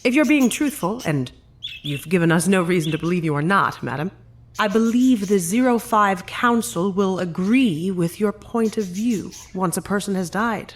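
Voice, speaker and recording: A woman playing a diplomatic, authoritative senior official in an audio drama, speaking formally, deliberately and tactfully. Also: medium pitch, lively intonation, a little hiss or hum, close to an everyday voice.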